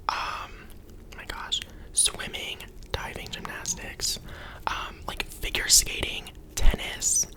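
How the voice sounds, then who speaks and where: An eighteen-year-old man whispering a casual ASMR question-and-answer session from his bedroom, rambling with lots of "um" and "like". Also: rough recording. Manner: rambling, chatty, full of "um" and "like". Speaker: ASMR creator.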